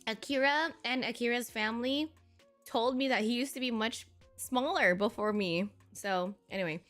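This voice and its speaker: A woman's voice: a little high, moderate pace, fairly bright tone, soft background music. A woman of Filipino heritage chatting casually on a live stream, blunt and profane with frequent laughter.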